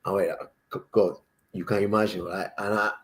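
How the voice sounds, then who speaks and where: A man's voice: deep voice, flat delivery, normal speed. A man from Cuba with a Cuban Spanish accent, a native Spanish speaker, chatting emphatically and repeating words as he speaks. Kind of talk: casual chat.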